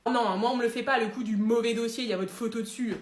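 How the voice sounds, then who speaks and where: A woman's voice: a little high, fairly even intonation, rapid-fire, roomy sound, lightly acted. A woman voicing a blunt, sarcastic receptionist at the gates of heaven. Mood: scolding.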